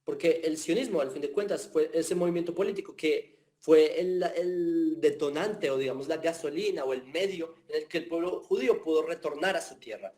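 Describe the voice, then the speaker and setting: A man's voice: fairly high pitch, moderate pace, few pauses, a little mellow. A man teaching a class over a video call, patiently explaining and often checking in with his listeners. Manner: patient, explanatory, frequent tag questions. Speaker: teacher of Jewish philosophy. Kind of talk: online class answering questions.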